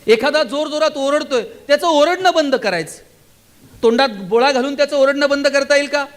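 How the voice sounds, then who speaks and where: A man's voice: very high-pitched, fairly quick. A man giving a passionate stage speech to students and teachers at a school gathering. He keeps asking the audience rhetorical questions. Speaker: motivational speaker.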